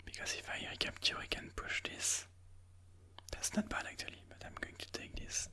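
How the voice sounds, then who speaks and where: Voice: moderate pace, sharp tone. A person whispering breathily in an ASMR style, musing aloud move by move as they comment on their own chess game.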